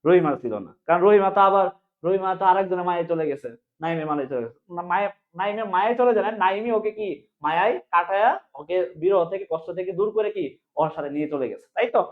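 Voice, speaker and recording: A man teaching chemistry in an online exam-prep class, drilling students with quick repeated questions. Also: high voice. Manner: fast, repetitive question-and-answer drilling. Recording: phone-like narrow sound.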